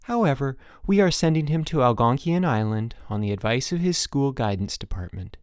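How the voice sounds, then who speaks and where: A man's voice: medium pitch, animated, brisk, dry recording, clean studio sound, close to an everyday voice. A man voicing a concerned parent's letter in a storybook, formal and careful. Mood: earnest, cautioning.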